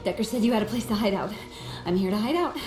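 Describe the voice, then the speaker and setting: A woman's voice: medium pitch, fast talker, close to an everyday voice. An actress voicing a young woman on the run in a game, anxious and pleading for help. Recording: game audio with roomy echo over music.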